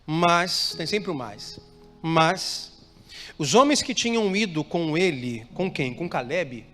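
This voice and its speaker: A Brazilian Portuguese-speaking pastor with a fairly high, lively voice preaches slowly to a live congregation in a church hall. He uses call-and-response, asking them to repeat phrases and answer him. The hall is reverberant, with soft music playing.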